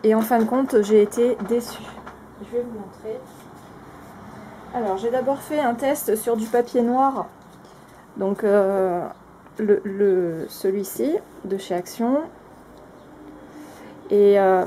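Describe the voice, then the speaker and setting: A woman with a mellow, warm tone talks through craft supplies she has tested, sounding casual and unscripted. She hesitates often, filling pauses and restarting sentences, yet gives her opinions bluntly. There is a faint hiss behind her voice. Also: mid-range voice. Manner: frank, plainly spoken opinions. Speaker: crafting vlogger reviewing products. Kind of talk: casual product review, showing items to camera.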